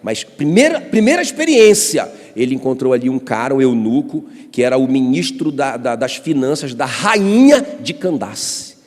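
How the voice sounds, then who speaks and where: Brazilian male pastor, lively preaching voice, call-and-response with the congregation, long church hall reverb. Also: mid-range voice, moderate pace, few pauses. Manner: animated, with personal stories and congregation call-and-response. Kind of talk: sermon.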